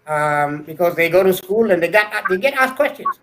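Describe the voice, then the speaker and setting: A man's voice: high-pitched, expressive, moderate pace, background noise. A middle-aged man from Kenya, a scholar answering interview questions earnestly, often repeating words as he builds a point. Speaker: guest scholar.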